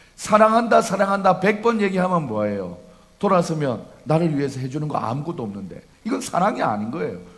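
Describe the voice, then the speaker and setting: In a room with audible echo, a man with a high pitch talks fairly quickly, making very wide pitch swings. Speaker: pastor. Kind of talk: sermon. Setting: church. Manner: fast.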